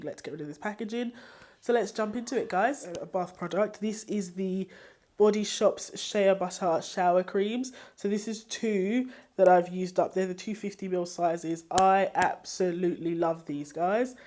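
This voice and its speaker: A woman's voice: medium pitch, darkish tone. A young woman, a bit nasal from a cold, chatting enthusiastically as she reviews beauty products she has used up. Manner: chatty, enthusiastic, laughs often. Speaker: beauty vlogger. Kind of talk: casual product review chat.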